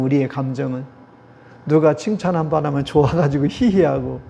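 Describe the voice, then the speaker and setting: A man's voice: a little high, gravelly, mellow. A man teaching about prayer and emotions in an earnest sermon-style lecture, repeating key phrases and acting out short prayers. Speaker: pastor or theology professor. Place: church meeting hall. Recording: dull lo-fi recording with faint noise.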